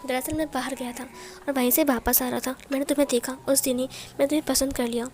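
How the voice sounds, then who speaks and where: A lady doing a cheeky young prince guy, high bright voice, teasing, storybook retelling. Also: steady tone, fast, lightly acted.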